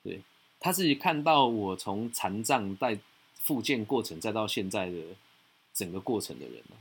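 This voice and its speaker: A man's voice: on the low side, slightly rough. A man hosting a podcast, giving frank, teasing advice in a casual chat. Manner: frank, teasing, fast and animated. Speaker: podcast host and mentor.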